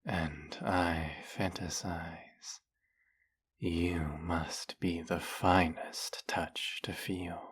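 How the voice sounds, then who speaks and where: A man's voice: low-pitched, flat delivery, drawn-out words, husky, full character voice. A man playing a fanatically devoted, lovestruck male demon servant in a fantasy audio roleplay, speaking in a formal, theatrical, over-the-top reverent way. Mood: lovestruck longing. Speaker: voice actor.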